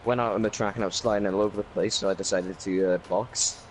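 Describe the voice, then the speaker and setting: A Welsh man talking through his race as a league driver in a casual interview, rambling with many fillers and speeding up when excited. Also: lowish voice, fast, slight background noise, poor audio. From Wales.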